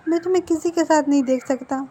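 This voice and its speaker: A woman's voice: sits high, quick pace, mellow, pitched above the performer's own voice, close to an everyday voice. A woman voicing a desperate young lover. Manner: urgent, pleading.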